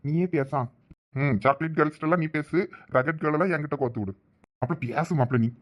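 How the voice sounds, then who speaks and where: A man with a Thoothukudi Tamil accent acting in a village comedy sketch, with fast, pleading, joking banter. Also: a little high. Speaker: comedy skit actor.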